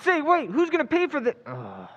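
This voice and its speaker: A man's voice: very high voice, huge pitch swings, normal speed, fairly bright tone, dull audio, heavily acted. A man playing a naive, grumbling little bartender in an old-time radio play, slangy and put-upon. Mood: earnest, grumbling.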